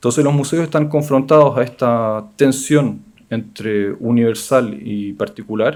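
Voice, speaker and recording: A man speaks at a fairly slow pace in a Chilean accent, his pitch varying in an ordinary way. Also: medium pitch for a man, very clean recording, silent background. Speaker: museum diplomatic adviser. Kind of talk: lecture. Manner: hesitant, many fillers and repeats.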